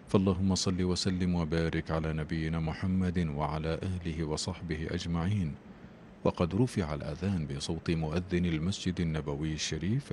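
A man presenting a prayer broadcast, announcing the call to prayer and then reciting a long supplication in a measured, rhythmic cadence. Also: very deep voice, darkish tone, slight background noise.

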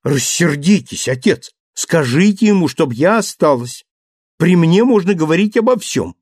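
A man's voice: on the high side, moderate pace, breathy edge, no room sound, clean studio sound, voice pushed up. A man voicing a playful, petulant young wife who coaxes and pouts. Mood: pouting, coaxing. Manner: coaxing, pouting, lively.

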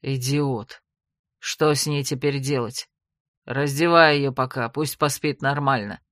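A woman plays a haughty older brother from a fantasy storybook, his voice dropped deep and velvety. He speaks with biting, venomous sarcasm, every line a sneer. The reading sounds dry and close. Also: fairly even intonation, measured pace, a bit bright, no echo. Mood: contemptuous. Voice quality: low velvety voice.

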